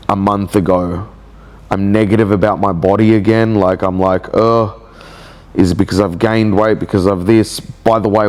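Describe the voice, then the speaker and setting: Slow, halting man with a blocked nose. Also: fairly low pitch, a little mellow. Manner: slow, halting and reflective, with many restarts. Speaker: vlogger. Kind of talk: personal video diary.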